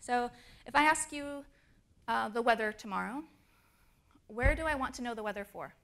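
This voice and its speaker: A woman's voice: fairly high pitch, moderate pace, creaky, fairly bright tone. A woman speaker at a design conference, explaining her points with fillers and demonstrating intonation. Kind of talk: conference talk. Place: conference stage.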